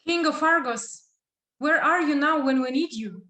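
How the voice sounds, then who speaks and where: High-pitched pleading suppliant woman. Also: moderate pace, bright, forceful tone. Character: pleading female suppliant in a Greek chorus. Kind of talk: dramatic reading of ancient Greek tragedy.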